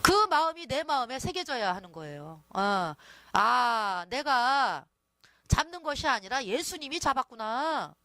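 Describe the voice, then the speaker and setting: A woman gives a sermon in a higher voice that rises and falls a lot. She speaks conversationally and keeps turning to her listeners for agreement. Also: sing-song, measured pace, sharp tone, no echo. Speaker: preacher.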